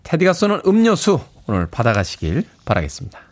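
A man hosting a morning radio show, talking with a bright, playful delivery. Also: mid-range voice, wildly swooping pitch, fast talker, heavy background noise. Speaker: radio DJ host.

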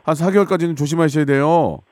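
Jovial male radio host, fairly high voice. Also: quick pace, darkish tone, dry recording. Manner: jovial, teasing, chatty. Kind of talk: casual radio call-in chat. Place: radio studio.

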